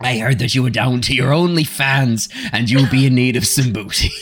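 Putting on a character voice, a man talks at a fairly quick pace with a medium pitch. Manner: playful.

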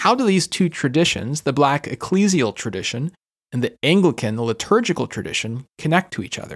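On a very clean recording with a silent background and a dry, close sound with no echo, a man with an American accent speaks at a fairly high pitch and a fairly quick pace, with very wide pitch swings. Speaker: podcast host and university teacher. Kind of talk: live podcast interview; scripted narration. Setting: in person before a live audience.

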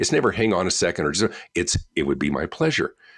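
A man's very fast delivery with very wide pitch swings and vocal fry, on a very clean recording with a silent background. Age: 50s. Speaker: keynote speaker and author. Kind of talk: podcast interview.

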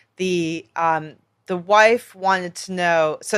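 A woman with an American accent, fairly low in pitch and fairly even in intonation, on a very clean recording with a silent background. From California, Los Angeles. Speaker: author and grammar enthusiast. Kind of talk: interview.

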